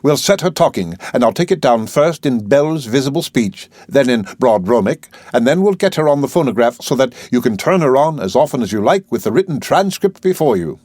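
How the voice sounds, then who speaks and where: Impetuous, bossy professor in his forties, loud and eager, played by a man. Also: medium pitch, fairly quick, few pauses, no echo, studio quality, pitched above the performer's own voice. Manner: energetic, brusque, bullying. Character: Higgins, male phonetics professor of forty, impetuous.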